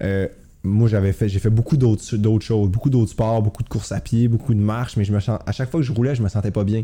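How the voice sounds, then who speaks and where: A man speaks at a very fast pace with a fairly low pitch, a dark, mellow tone, a somewhat breathy quality and fairly even intonation. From Quebec, Saguenay. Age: 20s. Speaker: pro road cyclist. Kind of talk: casual interview chat.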